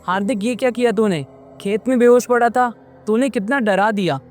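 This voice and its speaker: A man voicing an angry, worried village mother in a storybook tale, scolding quickly. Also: high-pitched, faint music behind, pitched above the performer's own voice, lightly acted.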